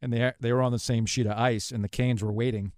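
A man's voice: mid-range voice, steady tone, fast talker, darkish tone, no room sound, clean studio sound. A man in his forties hosting a sports podcast, chatting informally in a casual interview style. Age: 40s. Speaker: podcast host.

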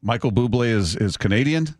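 A man's voice: mid-range voice, lively intonation, fast talker, darkish tone, no room sound, studio quality. A man with an American accent hosting a sports talk radio show, chatting casually with frequent chuckles and restarts. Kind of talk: casual chat.

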